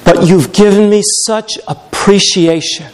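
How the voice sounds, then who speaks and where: Middle-aged man, pastor; high-pitched, sermon delivery, wry anecdotal humor. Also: a little slow. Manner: animated storytelling with wry humor.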